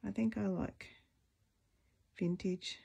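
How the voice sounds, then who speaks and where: Slow, gravelly-voiced woman crafting. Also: steady tone, mellow. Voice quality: deep, husky voice. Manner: chatty, thinks aloud while crafting. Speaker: craft video host. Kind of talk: casual stamping tutorial chat.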